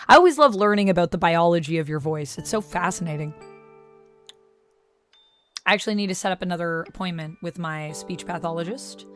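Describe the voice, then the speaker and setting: Her pitch fairly low and her pace fairly quick, a woman recovering from vocal strain casually replies to viewers on her live stream after reading their chat messages aloud. Faint music plays behind her.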